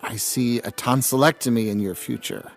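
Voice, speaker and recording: Guy acting as hapless dude on a date, self-deprecating, lots of vocal fry, little music under it, audio drama. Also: medium pitch, fairly even intonation, normal speed, close to an everyday voice. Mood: teasing. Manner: wry, self-deprecating, joking. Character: hapless, good-humoured, accident-prone man on a café date.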